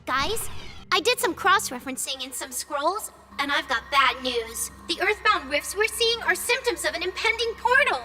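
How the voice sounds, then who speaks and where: A woman voicing a small, eager, quirky helper in an animated cartoon, chirpy and excitable. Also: extremely high pitch, normal speed. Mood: informative, worried. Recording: loud music under the voice.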